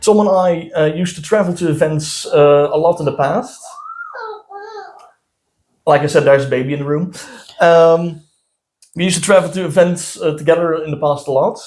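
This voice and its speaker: A man from the southern Netherlands, a Dutch native speaker, co-hosts a casual podcast chat. His voice sits a little high for a man. He talks haltingly, with many filler sounds and restarts. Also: a little mellow, faint music behind. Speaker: podcast co-host.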